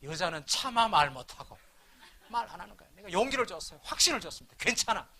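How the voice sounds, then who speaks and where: A middle-aged man giving a humorous church talk, acting out his own quarrels with his wife in animated storytelling. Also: high voice, quick pace. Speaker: church lay minister. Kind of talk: humorous revival-meeting talk.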